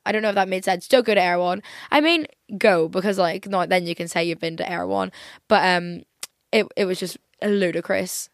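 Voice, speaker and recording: A young woman with a softened Northern Irish accent, chatting casually in a rambling, exaggerating way as a podcast host. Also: fairly low pitch, fairly quick, vocal fry, no room sound, studio quality. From Northern Ireland. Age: young adult.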